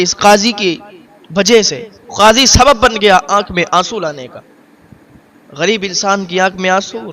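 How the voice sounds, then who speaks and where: Brief: male storyteller, earnest and preachy, fairly high voice. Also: pushed and bright. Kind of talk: moral story narration.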